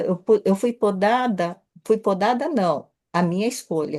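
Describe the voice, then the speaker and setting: The woman's tone is dark and mellow. Her pitch moves in a lively way. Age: 70s. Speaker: study group leader. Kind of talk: casual group conversation.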